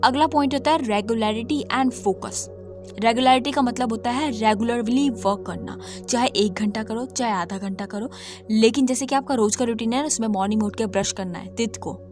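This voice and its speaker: Woman, slightly hoarse, emphatic tutor, casual lesson, faint music behind. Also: medium pitch. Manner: emphatic, repeats points, mixes English terms into speech. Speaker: coding tutor. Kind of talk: casual talk-to-camera lesson.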